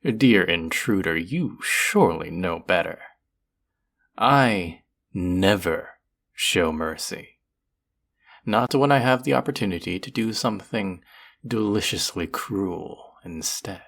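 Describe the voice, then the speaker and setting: A man's voice: low voice, animated, takes it slowly, vocal fry, a bit bright, heavily acted. A man playing a cruel, powerful, vain sorcerer in a fantasy audio roleplay, speaking to the listener in a theatrical, menacing drawl. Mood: cruel, gloating.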